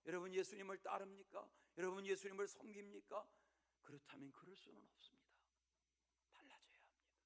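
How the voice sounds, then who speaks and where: Male pastor, high gravelly voice, dramatic sermon delivery that swings from loud to whispered. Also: steady tone, a little fast. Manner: direct repeated appeals to the congregation. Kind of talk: Sunday sermon. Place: church service.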